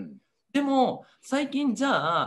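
A man speaks against a quiet background. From Japan. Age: 30s. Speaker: Japanese language teacher and educational YouTuber; Japanese teacher, interview guest. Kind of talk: interview conversation. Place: home room. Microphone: video call.

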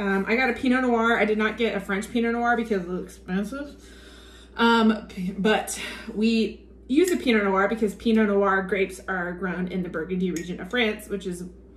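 A woman's fairly even intonation, with audible room echo and light background noise. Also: moderate pace. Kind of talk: casual cooking tutorial. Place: kitchen. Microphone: phone near.

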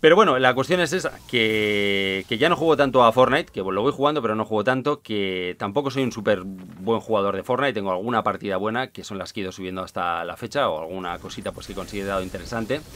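Talking at a very fast pace with hardly any pauses, a man with a fairly low pitch uses lively intonation and big swings in loudness. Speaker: gaming YouTuber. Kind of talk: casual vlog monologue. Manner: hesitant, many fillers.

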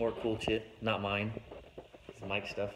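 Fairly low in pitch, a man talks at a moderate pace. Audible room echo and light background noise accompany him. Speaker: car restorer vlogger. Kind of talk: casual vlog chat. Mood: relaxed, laughing. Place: garage. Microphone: phone near.

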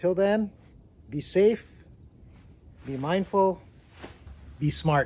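At a very slow pace, a man speaks in a high pitch with ordinary pitch variation. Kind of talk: casual vlog chat. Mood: relaxed, content. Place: garden.

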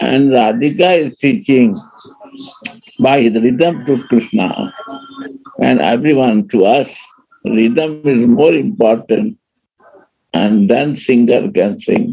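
Speaking at a very slow pace with long, frequent pauses, a man swings his pitch very widely while keeping his loudness very even. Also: quiet background. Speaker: spiritual teacher. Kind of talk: spiritual talk. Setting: video call. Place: home room.

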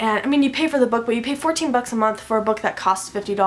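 Her pitch varying in an ordinary way, a woman speaks at a very fast pace. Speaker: book reviewer. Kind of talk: casual vlog chat. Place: home room.

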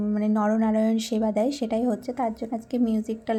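Fairly high in pitch, a woman's somewhat breathy voice carries a dark, mellow tone. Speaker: lifestyle vlogger. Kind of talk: casual vlog narration.

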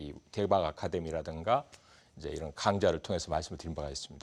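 Vocal fry marks a man's moderately paced speech, captured on a very clean recording with a silent background. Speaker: stock market analyst. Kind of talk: lecture.

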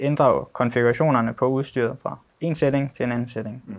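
Against a quiet background, a man talks at a moderate pace. His intonation is fairly even. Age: 20s. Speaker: engineer. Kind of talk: casual chat. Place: studio. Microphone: lapel.

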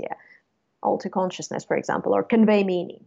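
A woman talks with a Russian accent. Her intonation is fairly even, and the background is quiet. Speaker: English teacher and teacher trainer; English teacher, teacher trainer. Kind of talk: webinar lecture. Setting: online webinar. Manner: hesitant with frequent fillers. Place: home room. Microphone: earbuds.

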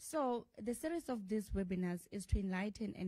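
A woman talks at a moderate pace with a medium pitch, a somewhat breathy quality and a dark, mellow tone. The background is quiet. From South Africa. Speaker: student council president. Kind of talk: prepared address. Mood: earnest, composed. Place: studio. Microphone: handheld.

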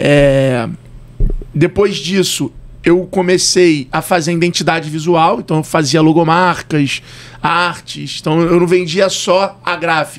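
Speaking at a very slow pace, a man with a high pitch keeps his intonation fairly even. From Rio de Janeiro, Tijuca. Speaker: entrepreneur. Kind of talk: podcast interview answer. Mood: relaxed, amused storytelling. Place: studio. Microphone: studio mic.

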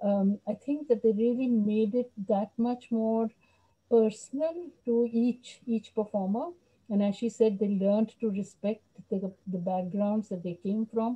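Somewhat breathy, with a dark, mellow tone, a woman speaks at a fairly slow pace and fairly high pitch with fairly even intonation. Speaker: theatre teacher. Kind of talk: audience comment. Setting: video call.

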